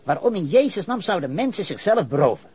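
A man's voice: high voice, very animated, fairly quick, darkish tone, husky, full character voice. An actor playing an evasive, argumentative, pedantic male witness with leftist ideals in a radio drama. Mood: earnest, argumentative.

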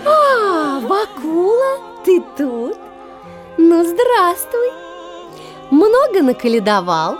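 Very high teasing village beauty. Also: female voice, big pitch swings, very slow, heavily acted. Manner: playful, taunting, singsong. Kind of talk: theatrical audio drama acting. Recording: music behind the voice.

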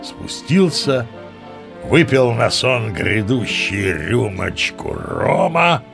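A self-important old sea captain in an audio play. His voice is gravelly and sits at a middling pitch. He savors his words like a practiced teller of tall tales, with faint music behind him. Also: huge pitch swings, takes it slowly, exaggerated voice. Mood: wistful, content. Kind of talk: theatrical storytelling in an audio play.

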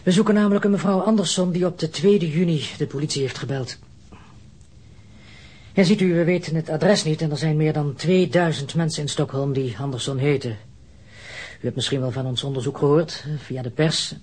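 An actor playing a polite, earnest and pressing police detective in a radio drama, explaining courteously in a husky voice. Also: male voice, on the high side, fairly quick, a little mellow.

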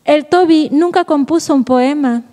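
A woman gives a Catholic formation lecture in a playful way, laughing often and asking rhetorical questions. Her voice is high. It rings through a hall with a long, echoey reverb. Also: normal speed, dark tone.

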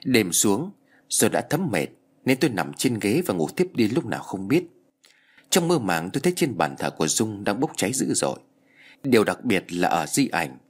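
Husky man reading a ghost story. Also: lowish voice. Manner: slow, grave storytelling with acted cries. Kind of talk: scripted ghost story narration.

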